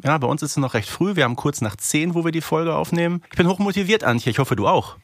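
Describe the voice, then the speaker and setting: A man's voice: fairly high pitch, lively intonation, quick pace, no room sound, studio quality. A man co-hosting a podcast in a casual, conversational style. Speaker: podcast co-host.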